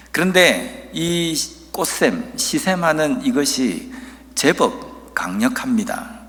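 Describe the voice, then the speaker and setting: A man from Busan, South Korea, with a Busan accent, preaching a sermon as a pastor, telling stories earnestly and reading scripture slowly and emphatically. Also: on the low side, gravelly, fairly bright tone, in a large hall. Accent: Busan dialect.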